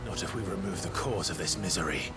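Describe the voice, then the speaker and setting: A man's voice: sits low, fast talker, lightly acted. A man playing a determined, grimly protective hero in dramatic fantasy game acting. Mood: defiant. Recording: loud music behind the voice.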